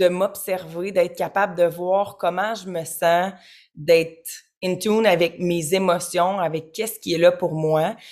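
A woman speaks at a fairly slow pace with fairly even intonation. Her pitch sits in the medium range. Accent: Quebec. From Quebec, Trois-Rivières. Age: 30s. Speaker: yoga and meditation teacher, entrepreneur. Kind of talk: podcast interview.

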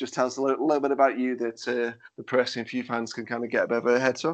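A man with a Potteries accent, talking at a very fast pace over a quiet background. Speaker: wrestling podcast host and wrestling manager. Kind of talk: casual chat. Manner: casual, laughs often.

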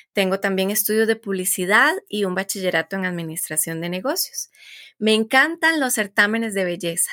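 In a very clean, dry, close recording with a silent background and no echo, a woman speaks at a medium pitch with a bright, sharp tone and lively intonation. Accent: Costa Rican. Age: 30s. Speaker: former model and makeup artist. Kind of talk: interview.

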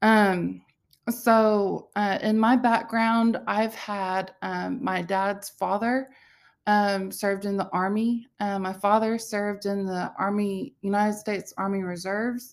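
In an Oklahoma accent, a woman of medium pitch speaks at a very slow pace with monotone, flat intonation on a very clean recording with a silent background. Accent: Oklahoma American English. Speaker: podcast host and Native storyteller. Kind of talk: solo podcast monologue. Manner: halting, many fillers.

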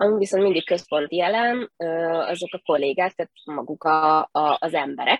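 A woman with a plain, everyday voice talks at a moderate pace, her pitch fairly low with ordinary variation. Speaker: marketing agency owner and mentor for young women leaders. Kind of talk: interview conversation. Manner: frequent word repetitions and fillers.

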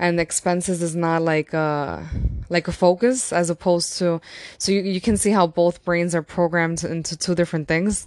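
The pace is moderate, with fairly even intonation. It is an unremarkable speaking voice. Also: woman, fairly low pitch for a woman. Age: 20s. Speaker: podcast host, aspiring teacher. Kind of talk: casual solo monologue.

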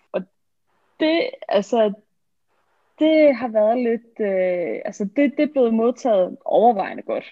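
A woman speaks at a very slow pace with long, frequent pauses. Her fairly high voice carries lively intonation. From Køge area, Zealand, Denmark. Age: 20s. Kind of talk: casual interview. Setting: video call.

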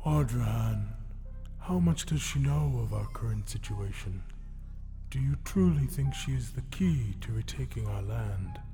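A man puts on a character voice at a moderate pace. Clear music plays in the background. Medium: actual play.

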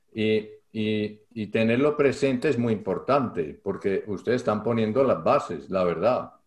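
Here is a man with an unremarkable speaking voice at a medium pitch and ordinary pitch variation. He talks at a fairly slow pace with hardly any pauses. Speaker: podcast host.

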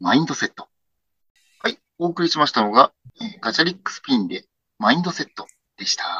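A bright, sharp voice with vocal fry speaks very fast in a western Japanese accent, with very wide pitch swings and big swings in loudness. Long, frequent pauses break up the speech, and the sound is dry and close with no echo. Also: man, fairly high pitch for a man. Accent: western Japanese dialect intonation. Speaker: podcaster, music show host. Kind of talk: casual chat.

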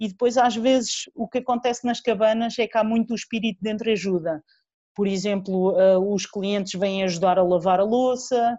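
Her voice is an unremarkable speaking voice. The woman keeps a moderate pace and fairly even intonation. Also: fairly high pitch for a woman. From Portugal, Figueira da Foz. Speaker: traveller and seasonal mountain hut worker. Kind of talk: interview testimony.

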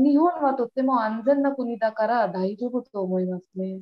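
A woman speaks with a Marathi accent. Her pitch is fairly high, with ordinary variation. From India. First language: Marathi (speaking Japanese). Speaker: podcast co-host. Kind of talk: casual chat. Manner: halting, many fillers.

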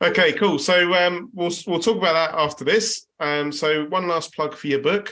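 A man talks at a moderate pace with hardly any pauses, in a high pitch and a bright, sharp tone. His pitch varies in an ordinary way against a quiet background. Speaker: podcast host. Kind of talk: casual interview chat.

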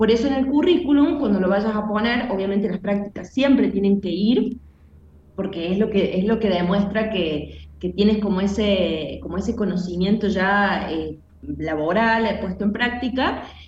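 A woman talks fairly slowly, her voice carrying audible room echo amid noticeable background noise. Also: medium pitch for a woman, ordinary pitch variation. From Argentina, Córdoba. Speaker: human resources specialist. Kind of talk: interview.

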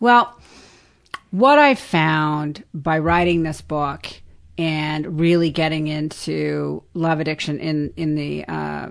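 A woman speaks with an American accent at a fairly slow pace. The background is quiet. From US, New Jersey. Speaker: therapist and author. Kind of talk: interview.

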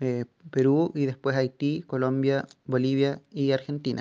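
A man speaks at a fairly high pitch, his tone dark and mellow. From Chile. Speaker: podcast guest. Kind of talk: informal report. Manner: hesitant.

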